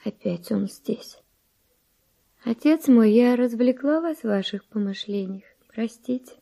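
An actress playing a devout, grieving young Spanish noble widow, soft, solemn and reserved, in a verse radio drama. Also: female voice, on the high side, unhurried, vocal fry. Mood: reserved, apologetic.

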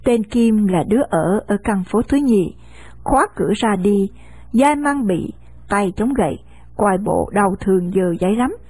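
A woman's voice: mid-range voice, unhurried, husky. Woman reading a story. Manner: steady, storytelling. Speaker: narrator. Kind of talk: reading a novel aloud.

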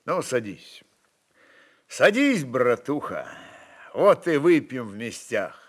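A man's voice: mid-range voice, big pitch swings, slow. A man playing a commanding, wily Cossack chieftain who talks in terse, folksy dialect. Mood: guarded, brisk. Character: commanding, wily Cossack chieftain, male, gruff but playful.

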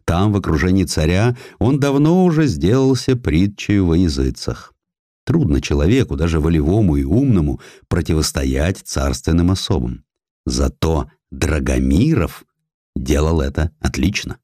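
A man reading a historical sketch as an expressive audiobook narrator, telling it dramatically with rhetorical turns. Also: rumbling low, normal speed, dry recording, clean studio sound. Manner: dramatic storytelling with rhetorical questions and exclamations.

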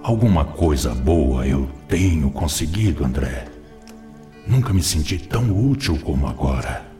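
A man acting in a radio drama as a rough former tormentor spirit, now remorseful and tender, speaking earnestly and with emotion. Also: very deep voice, expressive, unhurried, warm tone, faint music behind. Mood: humbled, moved.

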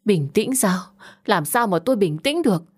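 A woman voicing an aggrieved, vengeful middle-aged mother who shouts threats in an audio story. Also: medium pitch, animated, moderate pace, husky. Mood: indignant. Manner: shouting, indignant.

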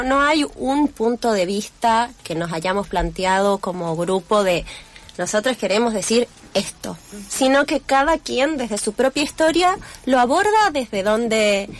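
A woman's voice: medium pitch, slight background noise. A woman guest in a radio studio, talking in a thoughtful, hesitant way with many fillers. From Mexico-born, Chilean family. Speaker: theater cast member guest. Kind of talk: casual radio conversation.

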